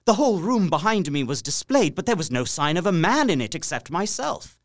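A man's voice: a little high, very animated, fairly quick, dry recording, clean studio sound. An actor playing a polite, observant and uneasy young solicitor, narrating his journal earnestly and precisely in a gothic audio drama. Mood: alarmed. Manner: precise, earnest, theatrical storytelling.

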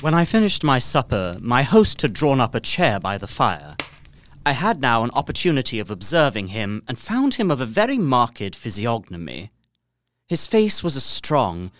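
A man's voice: medium pitch, a bit bright. An actor playing an earnest young solicitor, narrating his journey formally in a dramatised Gothic story. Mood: wary, observant. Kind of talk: dramatic first-person literary narration.

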